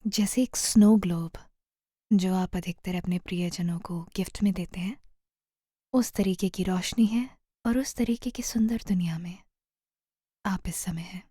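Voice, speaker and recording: Slow, breathy woman guiding meditation. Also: lowish voice, no echo, clean studio sound. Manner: soothing, gentle, often trailing into breathy near-whisper. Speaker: guided meditation narrator. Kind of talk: slow guided meditation narration.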